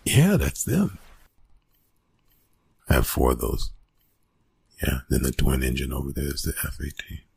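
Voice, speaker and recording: A man playing a gruff, reluctant young college bully in an ASMR roleplay, talking in a hushed, halting, casual way. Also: extremely low pitch, huge pitch swings, dry recording, full character voice. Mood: casual, warming up. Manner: hushed, halting, casual, often breathy whispering. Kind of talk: ASMR roleplay, intimate one-sided dialogue.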